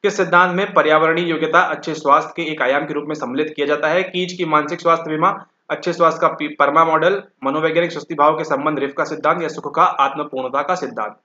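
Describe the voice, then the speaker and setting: A teacher works through exam questions aloud, speaking straight to his students and repeating key words. His voice sits a little high and sounds bright and forceful. The sound is roomy and dull, like a lo-fi recording in an echoey room. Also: fairly even intonation, fast, hardly any pauses. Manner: addresses students directly, repeats words for emphasis. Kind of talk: exam question walkthrough lecture.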